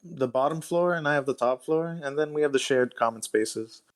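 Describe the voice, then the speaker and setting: A man chatting casually as a guest author, halting and thinking aloud as he goes. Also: on the high side. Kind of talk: casual chat.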